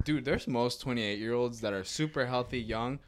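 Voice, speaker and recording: A man's voice: medium pitch, moderate pace, a little hiss or hum. Laid-back man in his late twenties. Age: 20s. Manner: laid-back, reflective, repeats himself. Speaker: podcast host. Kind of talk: casual chat.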